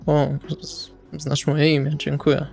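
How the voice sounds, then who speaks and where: A man's voice: fairly high pitch, monotone, measured pace, creaky, darkish tone, soft background music. A man playing in a tabletop roleplaying game, speaking casually as his character.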